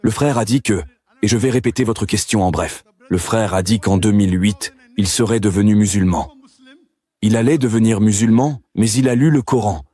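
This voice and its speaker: A man's voice: fairly low pitch, moderate pace, mellow, husky. A man answering an audience question in a public debate, insistent and curt, repeating his demands.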